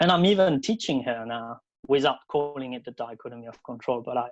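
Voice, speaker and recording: Against a quiet background, a man with a French accent speaks at a moderate pace and a fairly high pitch. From France. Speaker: father, guest. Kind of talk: casual chat.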